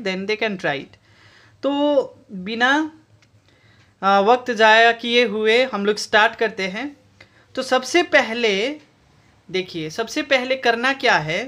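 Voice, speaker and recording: A man's voice: high voice, pushed and bright. A man with an Indian accent explaining step by step how to build a battery pack, switching between Hindi and English, while filming his workbench on a phone. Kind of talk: DIY tutorial. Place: indoor workbench.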